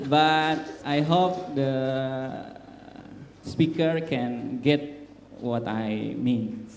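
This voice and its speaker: In an Indonesian accent, the speaker talks very slowly with lively intonation and long, frequent pauses, amid audible room echo and noticeable background noise. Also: man, fairly high pitch for a man. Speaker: teacher asking a question. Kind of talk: conference Q&A question. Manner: halting.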